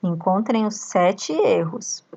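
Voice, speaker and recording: A woman teacher with a Brazilian accent, slowly reading a workbook lesson aloud to young children and chanting the syllables. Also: mid-range voice, expressive, creaky, a little mellow, breathy edge, dull audio. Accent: Brazilian Portuguese. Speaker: primary school teacher.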